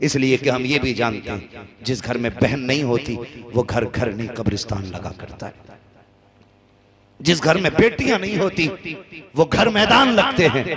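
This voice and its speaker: A man's medium-pitched voice swings very widely in pitch and loudness varies greatly. He leaves long, frequent pauses, and there is noticeable background noise. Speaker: Islamic preacher giving a sermon. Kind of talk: Islamic sermon (bayan) delivered to a live audience. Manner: emotional, emphatic, rhetorical, addressing crowd.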